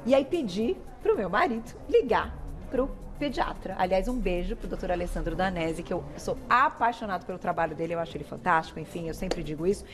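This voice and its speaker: A middle-aged woman with a Brazilian accent, hosting a TV talk show and telling personal stories in a warm, chatty way. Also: fairly low pitch, expressive, a little fast, music in the background. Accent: Brazilian Portuguese. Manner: warm, chatty, emotional storytelling. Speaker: TV show host.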